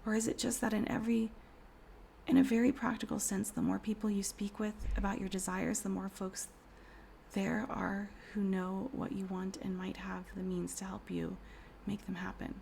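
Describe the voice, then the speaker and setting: Hoarse, whispery woman reading tarot. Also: mid-range voice, flat delivery, normal speed, a little hiss or hum. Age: 30s. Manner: soft, often whispery, rambling with fillers. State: hoarse from a cold. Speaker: tarot reader. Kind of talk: casual pick-a-card tarot reading.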